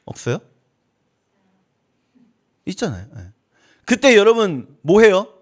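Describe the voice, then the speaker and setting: A man's voice: sits high, sing-song, takes it slowly. A male pastor preaching a sermon, acting out little dialogues with God. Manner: preaching, acts out dialogues with God in shifting voices. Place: church.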